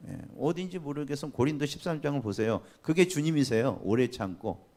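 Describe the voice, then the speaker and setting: A man preaching a Sunday sermon as pastor, animated and often questioning the congregation. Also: mid-range voice, a little fast. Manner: animated, often acting out quoted voices and asking the congregation questions. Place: church sanctuary.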